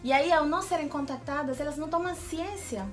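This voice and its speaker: The guest on a regional TV interview show: a Peruvian-born, woman with a highish voice, explaining her project keenly. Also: a little fast, faint music behind. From Lima, Peru. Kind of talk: enthusiastic explanatory interview answers.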